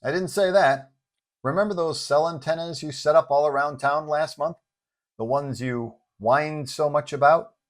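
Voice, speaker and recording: A man voicing a calm, dry right-hand man to a hero, deadpan and slyly dismissive. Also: on the high side, moderate pace, close to an everyday voice. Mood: dry, teasing.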